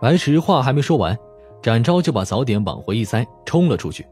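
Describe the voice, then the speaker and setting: A man's voice: medium pitch, sing-song, fairly quick, a little mellow, slightly rough, faint music behind. A man reading a dramatic scripted audiobook narration.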